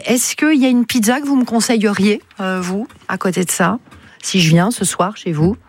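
A woman's voice: medium pitch, moderate pace, slightly rough. A woman hosting a morning radio interview, asking friendly guiding questions. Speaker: radio host.

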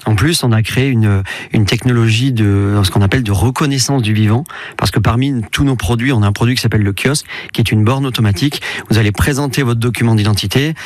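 A man speaks quickly and eagerly in a radio interview, explaining his company's work. He often restarts and repeats words. The studio sound is close and dry, with no room echo. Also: mid-range voice. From France. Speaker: company CEO, interview guest.

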